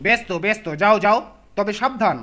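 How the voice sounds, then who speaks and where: A man's voice: sits high, fairly quick, heavy background noise, lightly acted. An actor playing a flustered dog owner in a cartoon, anxiously repeating his words. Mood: relieved, cautioning.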